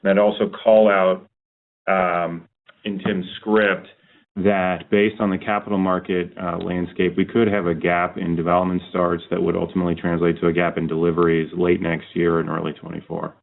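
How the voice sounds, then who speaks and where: A man giving measured answers as a company executive on an earnings call, heard over a narrow phone line. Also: sits low, flat delivery, gravelly.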